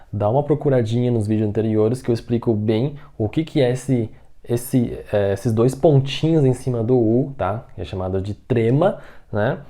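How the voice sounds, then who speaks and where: A man teaching an online language lesson, with a dark, relaxed tone. He repeats each new word slowly and patiently, and keeps checking that the listener is following. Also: mid-range voice. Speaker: Mandarin teacher.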